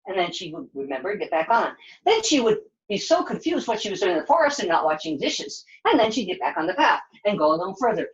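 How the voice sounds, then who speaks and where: A woman's voice: medium pitch, lo-fi sound. A woman narrating a children's puppet show as a storyteller.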